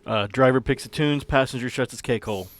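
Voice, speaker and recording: A male player speaks in casual table chat during a tabletop game podcast. His voice sits at a middle pitch for a man, in an everyday conversational register. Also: a little fast.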